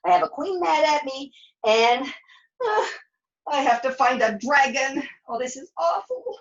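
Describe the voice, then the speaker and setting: A woman's voice: high voice, lively intonation, measured pace, lo-fi sound, pitched above the performer's own voice. A woman voicing a flustered, forgetful young dishwasher in a puppet show, hesitant and dithering. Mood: confused, flustered. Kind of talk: puppet show character acting.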